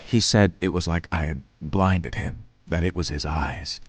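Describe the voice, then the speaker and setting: An actor playing a weary, guarded war veteran in an audio drama, speaking haltingly with understatement. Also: male voice, low-pitched, slightly rough. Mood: grim, haunted.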